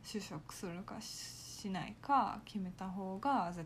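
Speaking very slowly, a woman has a somewhat breathy voice with a medium pitch and ordinary pitch variation. Audible room echo surrounds her. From Germany. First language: German (speaking Japanese). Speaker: podcast co-host. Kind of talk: casual chat; scripted intro.

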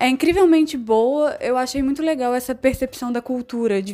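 At a moderate pace, a dark, mellow tone shows ordinary pitch variation. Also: woman. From Brazil, Belo Horizonte (Minas Gerais). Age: 20s. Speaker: listener sending a recommendation message. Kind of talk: recorded listener message.

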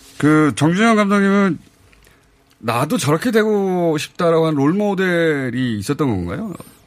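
The man's voice sits high as he talks fairly slowly. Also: lively intonation, very even loudness. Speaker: radio news show host. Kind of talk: interview. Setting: studio.

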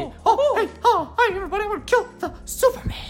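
A cartoonish character voice squeaks out at an extremely high pitch and very fast pace against clear background noise. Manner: jittery.

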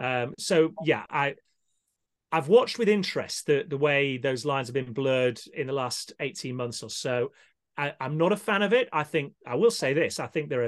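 Over a quiet background, the speaker uses lively intonation in a British accent. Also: man. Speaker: freelance sports broadcaster. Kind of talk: casual interview chat. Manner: hesitant, repeats words.

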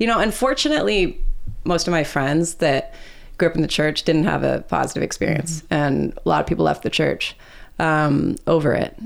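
A woman with an American accent speaks fairly quickly at very even loudness, on a very clean recording with a silent background. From Texas. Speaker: podcast host. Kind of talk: casual interview conversation.

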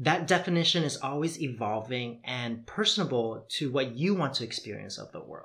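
An unremarkable speaking voice from a man with a Canadian accent, fairly high in pitch with ordinary pitch variation, in a very clean recording with a silent background. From Canada. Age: 20s. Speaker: world traveller. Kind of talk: casual interview chat. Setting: studio, in person with host.

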